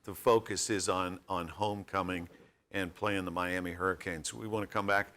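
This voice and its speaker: Bright-voiced sports radio host. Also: male voice, low-pitched, steady tone, normal speed. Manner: friendly, folksy, joking asides. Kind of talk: sports radio show interview.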